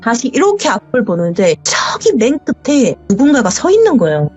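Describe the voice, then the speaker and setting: A woman's voice: a little high, wildly swooping pitch, moderate pace, darkish tone, husky. A woman telling her own ghost story in an interview, vividly acting out the voices of the people in it. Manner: vivid, acts out the dialogue. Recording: dull audio, faint music behind.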